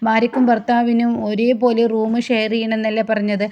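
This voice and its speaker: A woman's voice: on the high side, flat delivery, fairly quick, highs cut off, natural voice. Woman playing Nandini, a defiant tipsy wife. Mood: defiant scolding. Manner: loud, scolding questions.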